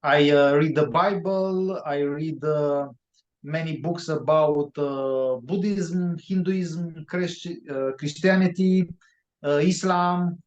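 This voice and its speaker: Man, Romanian accent, non-native English, halting with many fillers, very slow, roomy echo, dull lo-fi sound. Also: on the high side, steady tone, a little mellow. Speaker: guest author. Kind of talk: interview answers.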